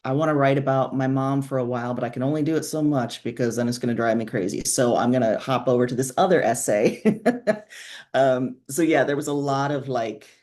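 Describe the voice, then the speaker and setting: Low-pitched woman author in conversation. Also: brisk, a little mellow. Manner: reflective, candid, informal. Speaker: interviewed author. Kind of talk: conversational interview.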